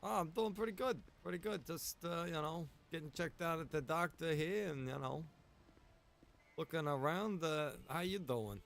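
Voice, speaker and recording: A man's voice: on the high side, normal speed, gravelly, fairly bright tone. A man playing a mild-mannered, easygoing survivor who makes hesitant small talk in an improvised online game roleplay. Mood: friendly.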